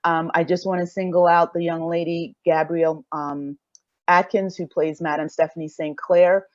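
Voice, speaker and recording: A woman with a fairly low voice takes part in an unscripted panel. She speaks reflectively and haltingly, often rephrasing as she searches for words. The recording is very dry and slightly dull. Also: level tone, no echo. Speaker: audio drama creator, panelist.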